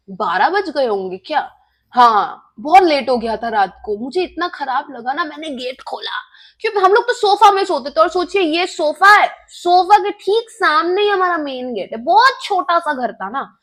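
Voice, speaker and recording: A woman's voice: sits high, fairly bright tone. A woman in her twenties telling a personal story in an emotional vlog, switching into English and swearing. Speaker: vlogger.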